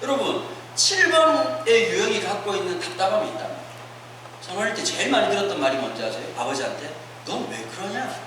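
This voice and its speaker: A man in his forties preaches at a retreat, telling comic stories from his childhood. His voice sits high and swings widely in pitch. It comes from a distance in a hall with heavy echo. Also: fast talker. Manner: animated, humorous storytelling with acted-out quotes. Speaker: pastor. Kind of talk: sermon at a winter retreat, storytelling. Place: church hall. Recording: echoey hall recording from far off, noisy. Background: audience laughter.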